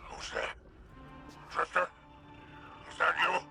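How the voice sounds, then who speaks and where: A grumpy alien crime lord in a video game. The voice is extremely gravelly and swoops theatrically, haughty and menacing, over background music. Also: male voice, sits high, wildly swooping pitch, slow, pushed and bright, heavily acted. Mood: wary. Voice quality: gravelly, growling.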